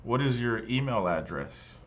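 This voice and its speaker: Playing a male immigration officer conducting an interview, a man puts formal, neutral questions in a scripted practice dialogue. He speaks unhurriedly with an expressive, medium-pitched and slightly bright voice.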